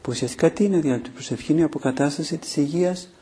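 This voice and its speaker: A man preaching a sermon, teaching in a steady way with filler pauses and rhetorical questions. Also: on the high side, soft background music.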